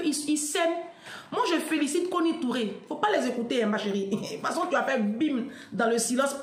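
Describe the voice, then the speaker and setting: A woman with an Ivorian French accent, talking straight to her viewers in a lively, scolding vlog style and often laughing between remarks. Her voice sits high. The room around her is echoey and reverberant. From Côte d'Ivoire. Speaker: vlogger. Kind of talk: casual vlog commentary.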